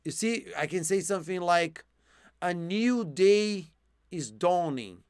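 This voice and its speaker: A man's voice: sits high, lively intonation, takes it slowly, smooth, dry recording. Patient male English teacher, dry sound. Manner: patient explaining, with frequent fillers and restarts. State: losing his voice. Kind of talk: live online one-to-one English lesson.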